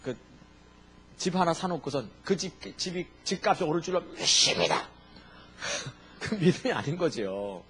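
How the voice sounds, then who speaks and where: A man's voice: a little high, lively intonation, a little slow, heavy background noise. A middle-aged male pastor preaching a sermon, firing rhetorical questions at the congregation and pressing each point home.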